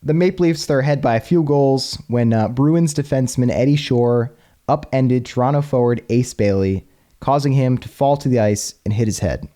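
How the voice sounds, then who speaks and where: A man hosting a casual history podcast, chatty and quick to laugh. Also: medium pitch, warm tone. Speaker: podcast host.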